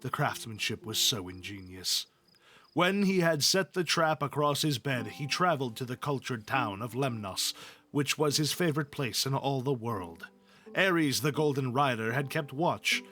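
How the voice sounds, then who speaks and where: A man's voice: medium pitch, animated, moderate pace, sharp tone, faint music behind. A man reading epic poetry aloud as a storyteller, in an informal read-along style. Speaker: story reader.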